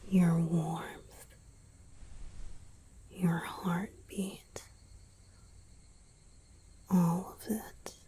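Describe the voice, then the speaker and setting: A woman voicing a gentle, teasing, affectionate young male vampire boyfriend in a breathy, intimate ASMR roleplay. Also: on the low side, level tone, slight background noise. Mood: tender whisper. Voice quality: breathy, mostly whispered. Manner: slow, intimate, soothing, softly teasing.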